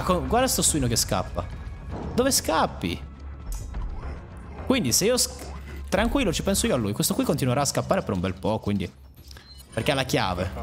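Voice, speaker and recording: A young man talks through a game as a let's play host, cursing and mocking the enemies on screen. His voice swings widely in pitch, jumping to high yelps when something surprises him. Game music plays clearly underneath. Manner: excitable, swears and mocks enemies, jumps to high yelps. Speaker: gaming YouTuber.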